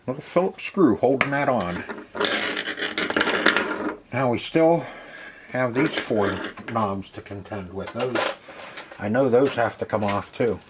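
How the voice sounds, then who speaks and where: A man's voice: fairly low pitch, background noise. A man casually narrating a hands-on repair as he goes, muttering to himself in short, folksy remarks. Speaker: host of a retro repair video channel.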